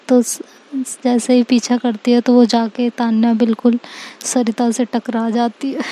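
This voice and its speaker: A woman's voice: fairly high pitch, dark tone. A woman casually narrating a romance story in a chatty way, sometimes correcting herself. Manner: chatty, self-correcting, laughs along.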